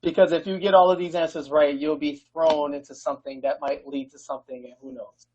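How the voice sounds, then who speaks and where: Male esports caster, slightly high and husky, playful banter between matches. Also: fairly even intonation, fairly quick, a little mellow, muffled recording. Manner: loose, joking, hype bursts. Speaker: esports commentator. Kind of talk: fighting game commentary.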